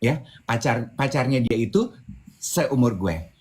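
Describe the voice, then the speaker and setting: A man co-hosting a casual chat, telling a story with animated delivery, mixing English phrases into his talk and acting out the voices of the people in it. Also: mid-range voice, unhurried. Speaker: co-host.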